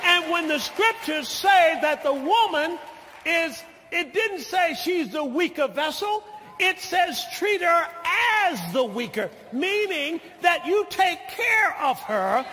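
An older man preaching a sermon as pastor, teaching slowly and deliberately, then building to shouted lines and calls for amen. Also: very high-pitched, expressive, some chatter behind, slight background noise. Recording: long hall reverb of a church.

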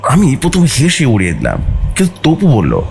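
A man's voice: mid-range voice, huge pitch swings, a little fast, vocal fry, a little mellow, slight background noise. A man reading a scripted horror story aloud in a suspenseful, theatrical way. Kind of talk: dramatic scripted horror narration, read aloud. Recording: music bed behind the voice.

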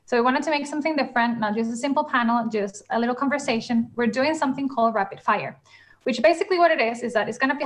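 A young woman with a fairly high, fairly bright voice hosts a panel over a video call from a room at home in England. She sounds upbeat and enthusiastic and uses frequent fillers.

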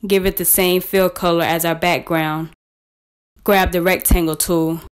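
Even, clear woman narrating a tutorial. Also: fairly low pitch, unhurried. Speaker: tutorial presenter. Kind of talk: scripted step-by-step software tutorial narration.

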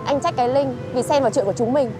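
Woman acting young girlfriend, Northern Vietnamese accent, TV drama, exasperated, reproachful, highish voice, music behind. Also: rapid-fire, close to an everyday voice. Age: 20s. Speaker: actress in a TV drama. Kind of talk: screen drama dialogue.

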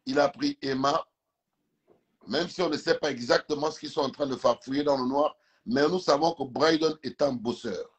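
A man's voice: mid-range voice, normal speed. A man from Gabon whose first language is Fang, talking emphatically on a phone video call while lying on a couch, often repeating words as he searches for them. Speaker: live stream guest. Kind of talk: casual debate over a video call. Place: indoors, lying on a couch at home. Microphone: phone camera held close.

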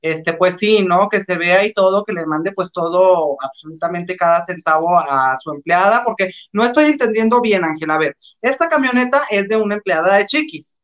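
A man's voice: high-pitched, animated, moderate pace, hardly any pauses, fairly bright tone, lo-fi sound. A man co-hosting a celebrity gossip show over a video call, chatty and laughing as he comments.

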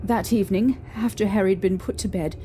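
A woman playing a frightened young mother in an audio drama, recounting a haunting with halting, emotional delivery. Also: mid-range voice, steady tone, close to an everyday voice. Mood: fearful. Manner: halting, emotional storytelling with trembling pauses. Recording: eerie music behind.

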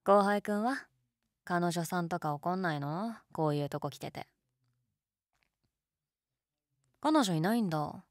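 Low-voiced, teasing college girl played by a woman. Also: moderate pace, dry recording, clean studio sound, lightly acted. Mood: playful. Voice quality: low-toned. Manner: teasing, casual, gently coaxing. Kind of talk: intimate situation-voice role-play, casual chat.

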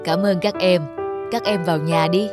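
A man's voice: sits high, fairly even intonation, moderate pace, over loud music, close to an everyday voice. A man voicing a strict but caring middle-aged schoolteacher in a children's cartoon, firm and instructive. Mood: kindly, reassuring.

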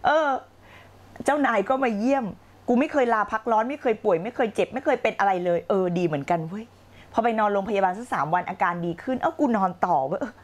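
A middle-aged woman coaching on a live stream, blunt and slangy, acting out her past self with shouted outbursts. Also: medium pitch, animated, fast. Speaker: life coach. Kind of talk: live-streamed motivational talk.

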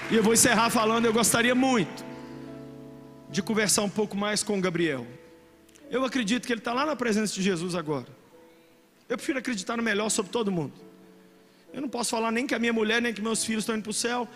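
A middle-aged man with a Brazilian accent, preaching a dramatic, emotional sermon to a youth congregation, swinging from soft asides to shouting. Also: high voice, quick pace, pauses often, some chatter behind. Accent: Brazilian Portuguese. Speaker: pastor. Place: large church hall with a youth congregation. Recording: long hall reverb with music behind.

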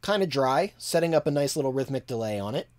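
A man's voice: mid-range voice, fast talker, faint music behind. A man in his thirties giving a casual tutorial on mixing from a home studio, thinking aloud as he works. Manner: relaxed, thinking aloud with fillers. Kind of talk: casual screen-share tutorial.

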